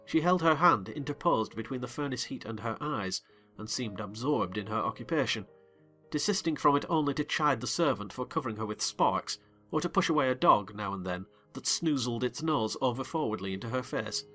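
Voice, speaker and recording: A man giving an expressive, measured dramatized reading of a classic novel. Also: mid-range voice, faint music behind. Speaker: narrator.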